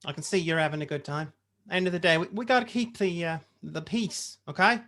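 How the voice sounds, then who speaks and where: A woman's voice: lowish voice, fairly quick, a bit bright. A woman playing a friendly, literal-minded policewoman in a comedy table read, chatty and matter-of-fact. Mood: mild scolding. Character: friendly, concerned, literal-minded policewoman gently scolding partygoers.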